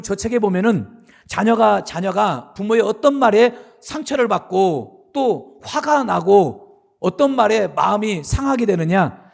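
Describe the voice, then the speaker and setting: A man's voice: high voice, creaky. A middle-aged man, the senior pastor, preaching a sermon in a church sanctuary in a conversational way, asking his listeners questions.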